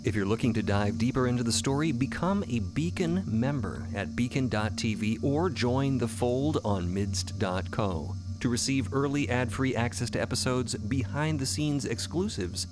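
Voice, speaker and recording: A man's voice: mid-range voice, lively intonation, moderate pace, few pauses, over music. A man presenting a podcast's scripted promotional outro. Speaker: podcast presenter reading end credits.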